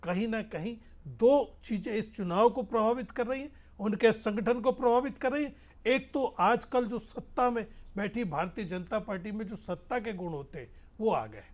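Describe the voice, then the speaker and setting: Man, high-pitched, political panelist, forceful debate. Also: moderate pace.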